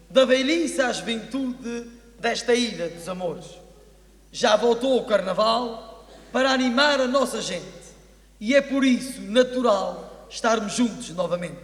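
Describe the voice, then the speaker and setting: A man performs a rhymed comic stage monologue in a theatrical, declamatory way. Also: very high voice. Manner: theatrical, declamatory verse delivery. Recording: echoey hall with long reverb.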